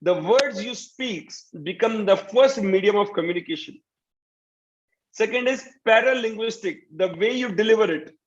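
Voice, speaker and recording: Heard over a video call, an earnest communication trainer in his thirties with an Indian English accent gives students a motivational talk, repeatedly saying "you know, uh" and restarting his sentences. His voice is high, his pace moderate, and the sound lo-fi.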